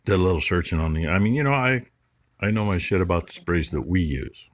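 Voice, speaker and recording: Very low-voiced man chatting on a farm. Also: animated, quick pace. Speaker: farmer vlogger. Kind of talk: casual rambling chat while filming around the farm. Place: outdoors on a farm near a barn.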